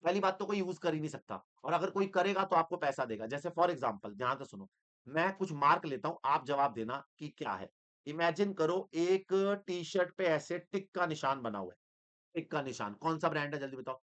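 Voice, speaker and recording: Man, accounting teacher, lively teasing classroom delivery, bright tone. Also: fairly high pitch, normal speed. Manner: animated, teasing, mixes Hindi with English terms. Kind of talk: energetic classroom lecture.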